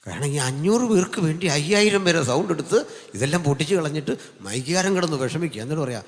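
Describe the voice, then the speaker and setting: A male pastor preaching a live sermon to a seated congregation through a microphone, jumping from loud proclamations to quiet, joking asides. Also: fairly high pitch, lively intonation, quick pace. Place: large hall with a seated audience. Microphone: amplified stage microphone. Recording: long hall reverb from a live PA.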